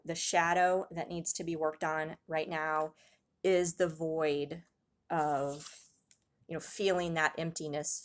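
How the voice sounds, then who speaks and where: Low-voiced woman giving a tarot reading. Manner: soft-spoken, hesitant, many ums and restarts, gasps in awe. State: slightly raspy throat. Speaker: tarot reader. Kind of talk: casual spiritual tarot reading to viewers.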